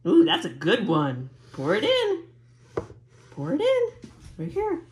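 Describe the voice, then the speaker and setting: Slow and a little mellow, this woman's high-side voice swoops wildly in pitch as she cooks with her toddler, using patient, sing-song coaxing phrases. She's in her thirties, chatting casually in an indoor home kitchen; the counter-mounted camera picks up a roomy echo and clear background noise.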